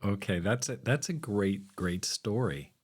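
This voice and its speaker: A man's voice: on the low side, lively intonation, unhurried, slightly rough. A man hosting a podcast, reading a scripted intro and asking his guest friendly questions. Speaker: podcast host.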